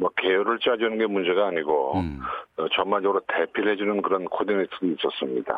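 A man's normal speaking voice, fairly low in pitch, at a fairly quick pace, with ordinary pitch variation and very even loudness. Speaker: education consultant. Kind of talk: radio expert interview.

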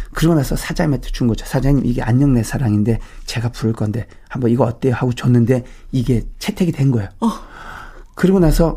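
Very fast and somewhat breathy, a man speaks at a medium pitch with a dark, mellow tone and lively intonation. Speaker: songwriter and singing instructor. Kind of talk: radio interview. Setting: studio.

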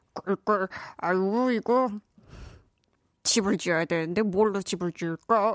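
A woman's put-on character voice at medium pitch, fairly slow in pace with long, frequent pauses, in a very clean recording with a silent background. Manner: storytelling, playful.

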